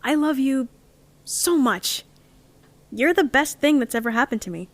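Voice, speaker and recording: A woman's voice: high voice, lively intonation, unhurried, no room sound. A woman playing an earnest, lovestruck young member of a heist crew in an audio drama, speaking in a heartfelt, confessional way. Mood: affectionate. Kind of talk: audio drama monologue and dialogue.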